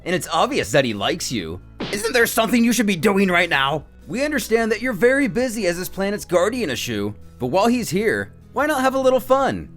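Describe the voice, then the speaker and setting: Man putting on a high, teasing woman friend. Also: very animated, fairly quick, a bit bright, soft background music.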